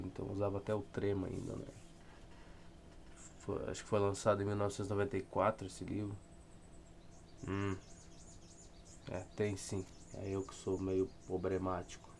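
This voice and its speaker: Low-voiced southern Brazilian man tutoring casually. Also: level tone, normal speed, pauses often, darkish tone, a little hiss or hum. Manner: informal, rambling, self-deprecating, dry humour. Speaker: math tutor. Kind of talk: casual lesson, solving textbook problems aloud.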